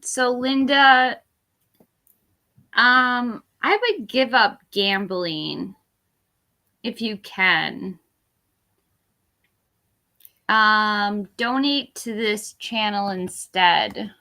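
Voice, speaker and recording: A woman's voice: medium pitch, very slow, pushed and bright. A tipsy woman hosting a casual livestream tarot reading, rambling with fillers and laughing as she talks. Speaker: tarot reader and livestream host.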